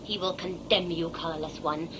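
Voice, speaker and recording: A woman's voice: on the low side, fairly even intonation, normal speed, a bit bright, a little hiss or hum, close to an everyday voice, poor audio. A woman playing a proud, devout young tribal daughter, speaking in solemn, formal, indignant declarations in a sci-fi audio drama. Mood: defiant.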